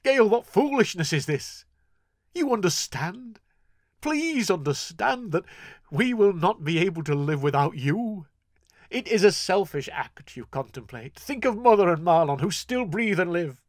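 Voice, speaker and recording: Man doing a grieving young brother, earnest, pleading, slow, dry sound. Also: high-pitched, big pitch swings, no room sound, pitched above the performer's own voice, full character voice. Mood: urgent.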